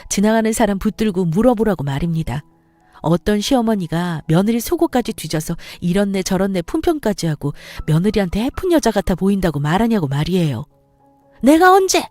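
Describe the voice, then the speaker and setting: A woman's voice: medium pitch, warm tone, dry recording. A woman narrating a scripted first-person radio story, speaking directly to the listeners. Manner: plain storytelling, talks to listeners.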